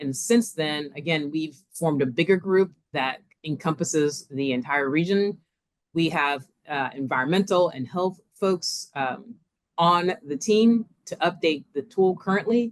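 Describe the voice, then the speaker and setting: A woman with a normal speaking voice talks at a fairly slow pace, with a fairly low pitch and lively intonation. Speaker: government environmental data specialist. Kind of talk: meeting presentation.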